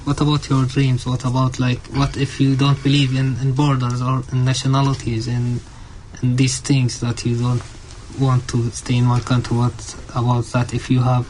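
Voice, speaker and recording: Man, monotone, hesitant non-native English, earnest discussion, slight background noise. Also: medium pitch, moderate pace, few pauses, low-quality recording. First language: not English. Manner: hesitant, repeats phrases. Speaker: asylum seeker.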